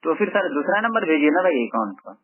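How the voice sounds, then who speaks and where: A man's voice: fairly high pitch, sing-song, fast talker, breathy edge. A man on an informal recorded phone call, stalling and evasive as he talks. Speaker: caller arranging a payment. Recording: tinny, muffled phone line.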